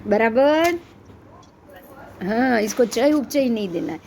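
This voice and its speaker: A middle-aged woman teaching a scripture lesson, explaining slowly and often quizzing her listeners. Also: fairly high pitch, animated, darkish tone, a little hiss or hum. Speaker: religious teacher.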